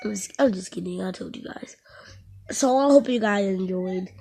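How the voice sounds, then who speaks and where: A woman's voice: mid-range voice, normal speed, gravelly, a little mellow, breathy edge. Joking woman hosting a reaction video. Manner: joking, offhand and playful. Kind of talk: casual reaction commentary.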